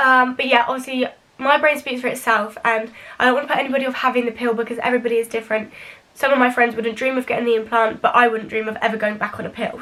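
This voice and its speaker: Talking at a very fast pace, a woman with a high pitch keeps a fairly even intonation over noticeable background noise. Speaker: YouTuber. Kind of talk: casual chat.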